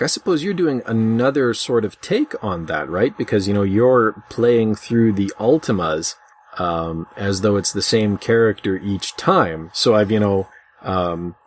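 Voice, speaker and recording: Casting: male podcast host, casual and chatty, on the lower side, slightly noisy online voice chat.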